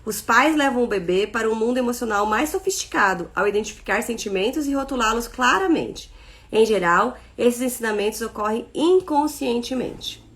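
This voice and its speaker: A Brazilian woman in her thirties reads from a parenting book to an online group, then pauses to explain in her own words. Her voice sits a little high. She drops into gentle baby-talk when she acts out what parents say. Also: lively intonation. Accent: Brazilian Portuguese. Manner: reads a passage, then comments warmly with playful baby-talk asides. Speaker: book study leader.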